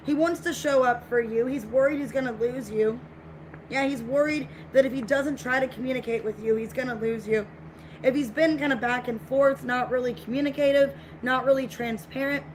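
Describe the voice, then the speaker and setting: High-voiced woman giving a tarot reading. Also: a little hiss or hum, low-quality recording. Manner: repetitive, reassuring, conversational. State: voice getting scratchy. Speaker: tarot reader. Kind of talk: casual tarot reading for viewers.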